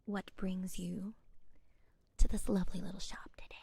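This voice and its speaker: A woman playing a wry, curious forest witch in a soft-spoken ASMR fantasy roleplay, musing and gently teasing in a breathy half-whisper. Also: mid-range voice, flat delivery, no room sound. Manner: unhurried, hushed, musing, politely teasing. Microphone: close-up ASMR microphone.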